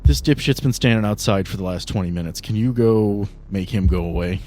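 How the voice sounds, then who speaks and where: A man's voice: on the low side, a little fast, warm tone, faint music behind, natural voice. A man voicing a curt, dismissive, weary male agent in a tabletop game. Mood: dismissive, annoyed. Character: curt, unimpressed male agent at his desk.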